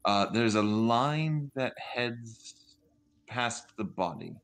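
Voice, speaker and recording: A man's voice: medium pitch, expressive, extremely slow, fairly bright tone. A man playing a tabletop game, casually thinking aloud as he describes what his character does.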